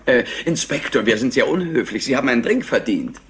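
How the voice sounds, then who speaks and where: An actor playing a clever, flippant and somewhat highly strung nephew in a crime drama, mocking and impatient. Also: male voice, expressive, brisk, a bit bright, husky, full character voice. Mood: teasing. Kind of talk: dubbed TV crime drama acting.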